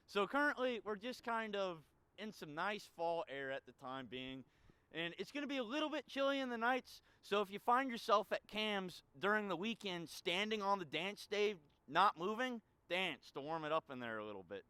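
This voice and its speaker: A young man with a high, smooth voice gives a casual weather forecast. He talks in a relaxed way with plenty of fillers. The sound is dry and close. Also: normal speed, no echo. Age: young adult. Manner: relaxed, filler-heavy delivery.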